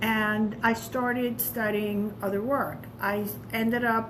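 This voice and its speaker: A woman's fairly high voice, with audible room echo and noticeable background noise. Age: 60s. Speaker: EFT tapping practitioner. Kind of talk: interview testimony. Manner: halting.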